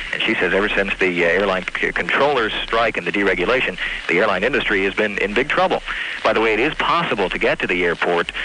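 Over noticeable background noise, a man with a fairly low pitch speaks at a fairly quick pace. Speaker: radio news reporter. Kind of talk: 1980s radio news report, live on scene. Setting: outdoors near scene. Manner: ad-libbed, hesitant with fillers, somber.

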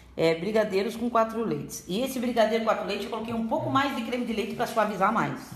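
In a room with audible echo, a woman talks at a very fast pace with hardly any pauses and ordinary pitch variation. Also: fairly high pitch for a woman. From Santa Catarina, southern Brazil. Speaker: cake decorating instructor. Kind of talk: live tutorial. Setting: livestream in a cake studio. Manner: warm, chatty. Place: kitchen. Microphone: phone near.

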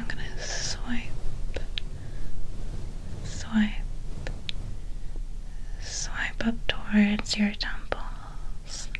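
A woman whispers in a soothing tone. Her speech has long, frequent pauses. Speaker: ASMR creator. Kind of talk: soft-spoken ASMR roleplay. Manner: soft, slow, soothing voice. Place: home room.

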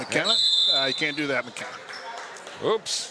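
Noticeable background noise sits behind this recording. A man talks with ordinary pitch variation. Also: dry sound with no echo. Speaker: play-by-play announcer. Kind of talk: sports commentary. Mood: relaxed, joking. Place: hall. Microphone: headset.

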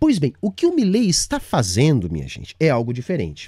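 Over a quiet background, a man speaks at a moderate pace with a fairly high pitch. His voice is somewhat breathy, and the sound is dry with no echo. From southern Brazil, Rio Grande do Sul. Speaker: political commentator, livestreamer. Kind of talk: livestream political commentary. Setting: livestream. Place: home room. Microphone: studio mic.

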